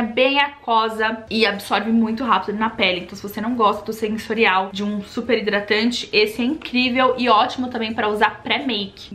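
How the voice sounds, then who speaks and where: A woman's voice: on the high side, a bit bright. A young woman casually reviewing drugstore beauty products to camera in a chatty, upbeat way, repeating words for emphasis, seated indoors in a home studio. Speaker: beauty vlogger.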